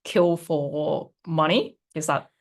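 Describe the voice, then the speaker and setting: A woman's voice: deep voice, slow pace. A woman hosting an interview, asking curious questions and giving short agreeing replies in casual chat. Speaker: interview host.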